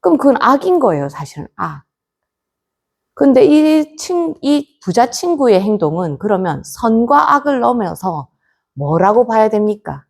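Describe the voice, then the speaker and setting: Gravelly-voiced Buddhist nun lecturing. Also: female voice, fairly high pitch, very animated, unhurried, a little mellow. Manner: storytelling, posing questions to the class. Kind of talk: temple lecture. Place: temple lecture room.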